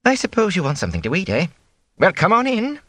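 Male reader doing a plump, sharp-tongued inn cook, high-pitched, folksy and scolding. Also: wildly swooping pitch, quick pace, no echo, full character voice. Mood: chatty, brisk. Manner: scolding, folksy dialect speech.

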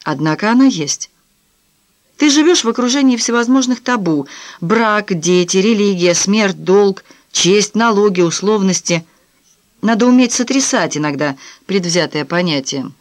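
A woman's voice: mid-range voice, animated, moderate pace, dry recording, natural voice. A woman voicing a cynical, self-assured married man who lectures in a glib, dismissive way in an audiobook. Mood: lecturing.

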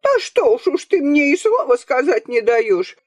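A woman reading aloud, voicing a shrill old village grandmother who scolds and wails. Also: sing-song, normal speed, darkish tone, dry recording. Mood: wailing. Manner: shrill scolding and sing-song lamenting.

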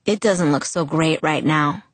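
A woman's voice: sits low, a little slow, no room sound. A woman reading the part of a protective teenage boy who talks bluntly and scolds with worry. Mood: sombre.

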